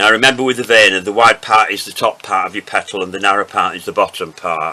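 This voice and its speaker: At a moderate pace, a man with a Yorkshire accent speaks over noticeable background noise. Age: 70s. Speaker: cake decorator. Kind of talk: tutorial. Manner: casual.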